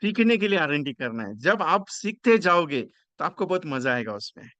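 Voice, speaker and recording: A man's voice: on the high side, sing-song, moderate pace, bright, forceful tone, no echo. A man running an online training session for insurance agents, working through figures step by step and repeating phrases for emphasis. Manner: mixes English into explanation, repeats phrases for emphasis; works through numbers step by step, asking the audience questions.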